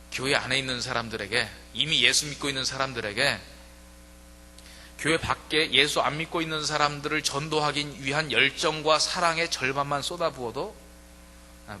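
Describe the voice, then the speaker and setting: A man's voice: mid-range voice, pushed and bright, in a large hall, a little hiss or hum. A man pastor giving a conversational sermon, acting out quoted voices as he preaches. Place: church sanctuary.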